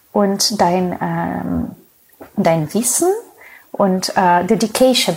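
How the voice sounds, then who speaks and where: At a very slow pace, a woman talks with a medium, somewhat breathy voice and lively intonation. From Ukraine, then Israel from age 13. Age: 30s. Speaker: cantor and singer. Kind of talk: casual interview chat.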